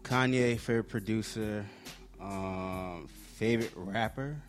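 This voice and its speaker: A man's voice: on the low side, a little slow, soft background music. A man talking casually and with slang as a guest on a producers' panel. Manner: slangy, terse interjections. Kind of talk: casual chat.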